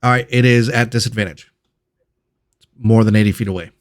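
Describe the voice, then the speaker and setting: A man's voice: on the low side, steady tone, a little fast, no room sound, clean studio sound. A man narrating as game master of a tabletop game, describing scenes in a loose, self-correcting way.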